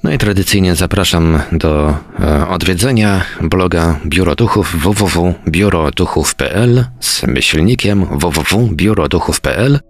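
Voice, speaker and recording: A man's voice: sits low, dry recording. A man presenting the close of a radio talk show as its host.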